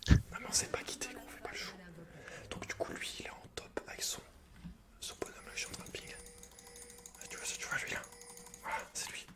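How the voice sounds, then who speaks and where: A man's voice: brisk, pauses often, a bit bright. A man doing casual, slangy ASMR gaming commentary as the host, swearing now and then.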